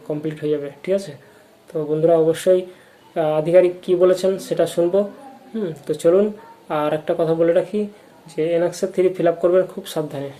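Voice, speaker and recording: Muffled-toned, flat, halting Bengali update host. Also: mid-range voice. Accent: Bengali, West Bengal. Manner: halting, repetitive, inexperienced presenter. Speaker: YouTube channel host giving updates. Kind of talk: informal update to viewers.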